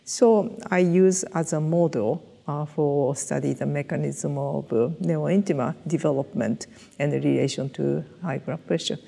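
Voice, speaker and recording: A woman's voice: sits low, a little slow, gravelly, mellow, husky, big-room sound. An older woman with a Japanese accent, speaking English as a second language in an oral history interview, hesitant with many fillers and restarts, recorded on a headset mic in a studio. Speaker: interviewee, physiologist. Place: dark studio set, indoors.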